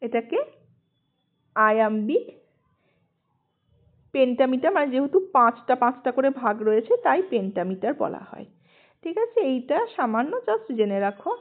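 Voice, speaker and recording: A Bengali-accented woman gives an online English lesson, her voice sitting a little high. She explains step by step and keeps checking that students follow. The sound is thin and narrow, as if heard over a phone line. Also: big pitch swings. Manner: explanatory, checks in with "ঠিক আছে" and "okay", reads English slowly. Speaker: English teacher.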